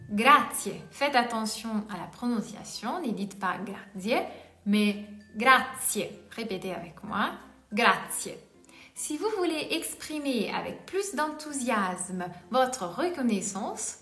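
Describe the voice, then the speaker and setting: Slow-speaking woman teaching Italian words. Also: on the high side, a bit bright. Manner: says each Italian word twice, then gives its French meaning. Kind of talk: slow beginner language lesson, repeating each word. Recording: echoey room with faint music.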